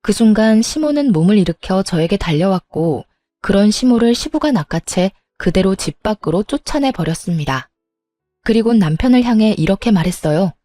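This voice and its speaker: Woman, first-person story narration, firm, cold, matter-of-fact, mellow, dry. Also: mid-range voice, expressive, moderate pace, dry recording, soft background music.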